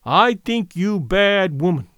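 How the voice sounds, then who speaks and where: A fierce young woman speaking halting, broken English, her voice pitched high and pressed loud, as a male audiobook reader puts her on. She talks in blunt, short phrases. The sound is dry and close. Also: very animated, no room sound, full character voice. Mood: slow, blunt.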